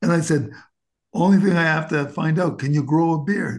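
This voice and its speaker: Against a quiet background, a man talks at a fairly slow pace. His voice is fairly high with vocal fry. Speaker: touring bass player and singer-songwriter. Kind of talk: casual chat.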